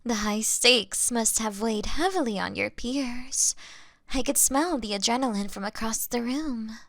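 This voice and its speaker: A woman acts out a young female vampire with refined, apologetic manners in an intimate audio roleplay. Her voice sits fairly high and she takes her time over each formal, gentle phrase. The sound is dry, with no room around it. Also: no room sound. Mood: wistful, grave. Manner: formal, polite, softly deliberate. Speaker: audio drama performer.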